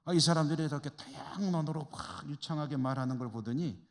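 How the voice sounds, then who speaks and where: Speaking fast in a slightly high voice, a Chungcheong pastor teaches a Bible study in a conversational manner. He poses rhetorical questions to the class, and the church hall around him is reverberant.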